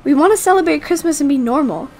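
A woman's voice: sits high, expressive, fast talker, darkish tone. A woman playing an outspoken, protective teenage girl, blunt and emphatic, in a game roleplay drama. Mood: indignant. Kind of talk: acted Roblox roleplay drama.

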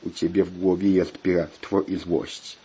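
A man's voice: deep voice, level tone, measured pace, mellow. A man voicing a scolding, insistent male pirate friend, on a dull lo-fi recording with faint hiss.

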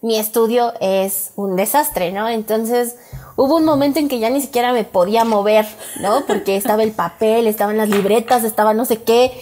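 A woman with a Mexican accent co-hosting a podcast in casual chat. She tells animated stories, acting out quotes and laughing a lot. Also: fairly high pitch, normal speed, slight background noise. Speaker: podcast co-host.

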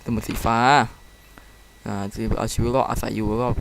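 A man giving casual commentary while playing a game. He reacts excitedly and reads the dialogue aloud. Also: on the low side, normal speed, creaky. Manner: chatty, explains controls to viewers. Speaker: game let's-play commentator.

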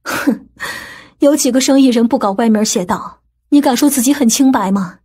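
A woman's voice: a little high, moderate pace, mellow, slightly rough. A woman playing a stern, principled middle-aged aunt in an audiobook, blunt and skeptical. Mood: disapproving. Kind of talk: audiobook character acting.

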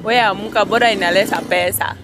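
A woman's voice: mid-range voice, quick pace. Young Kenyan woman with short, shy answers. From Nyanza, Kenya. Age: young adult. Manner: brief, shy answers with light laughs. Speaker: barber, interviewee. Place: outdoors on a shop front bench. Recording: music playing behind.

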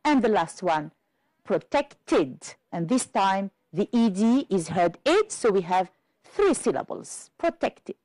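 Woman teacher, unhurried and precise, melodic delivery, dry studio. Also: medium pitch, a little mellow, dry recording. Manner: careful, deliberate, spells out pronunciation. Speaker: English teacher. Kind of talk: slow clear classroom instruction.

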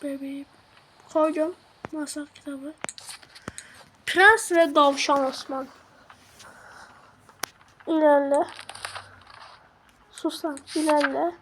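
A woman with a very high, sharp and bright voice talks through a horror game as she plays. She is jumpy, curses under her breath and mumbles prayers. A faint hiss sits under her voice. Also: fairly even intonation, slow, pauses often. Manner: jumpy, swears and shrieks when startled; mutters prayers under breath when scared. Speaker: gamer. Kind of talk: horror game let's play commentary.

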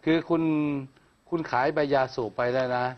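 A man co-hosting a casual news talk show, who grew up in northern Thailand, speaking bluntly with crude slang and reading news items aloud. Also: normal speed. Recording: dull lo-fi sound.

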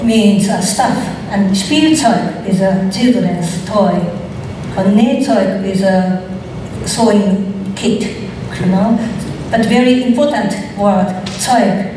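A middle-aged woman whose first language is Japanese, speaking thoughtful, halting English with a Japanese accent in an onstage literary conversation. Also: mid-range voice. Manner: slow, thoughtful, halting non-native English with pauses. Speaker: writer being interviewed on stage. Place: large auditorium stage. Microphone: stand mic, recorded from far off. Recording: echoey hall from far off, audience noise.

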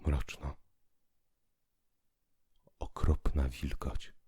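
A man narrating literary prose in a theatrical, declamatory way, moving between hushed and emphatic delivery. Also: extremely low pitch, flat delivery, drawn-out words, slight background noise. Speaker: audiobook narrator. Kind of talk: dramatic literary narration with piano music. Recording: piano music behind the voice. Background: piano music.

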